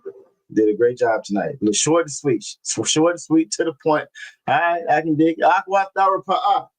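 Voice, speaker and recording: A man teaching a religious language class over a video call, reading scripture slowly and often repeating himself. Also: on the high side, poor audio. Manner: repeats phrases, constant "you know what I'm saying"; slow, deliberate scripture reading.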